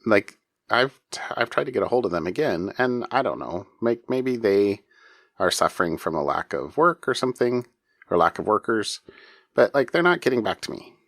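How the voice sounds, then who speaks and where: A man's voice: fairly low pitch, sing-song, normal speed, a bit bright, dry recording, studio quality. A middle-aged man co-hosting a podcast, sleepy and yawning, chatting casually in a rambling way with many restarts. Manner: rambling, with frequent restarts and self-interruptions. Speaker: podcast co-host. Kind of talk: casual chat.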